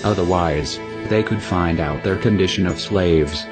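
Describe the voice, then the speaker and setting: Anonymous narrator: man, voice disguised low and heavy, solemn scripted delivery. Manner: slow, grave, lecturing delivery. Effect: voice disguised to sound deep. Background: loud music.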